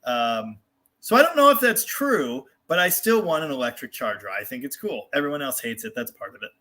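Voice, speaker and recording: An American man with a bright, forward voice at a middle pitch hosts a casual livestream. He rambles candidly through replies to viewers and is quick to poke fun at himself. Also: big pitch swings. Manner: rambling, candid, self-deprecating; mild swearing. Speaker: host of a live car show. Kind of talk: casual livestream chat, answering viewer comments.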